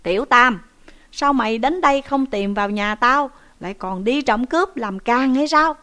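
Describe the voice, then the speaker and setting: A woman's voice: on the high side, animated, normal speed, close to an everyday voice. A woman voicing a shrewd, stern male village headman who speaks in a commanding, scolding way.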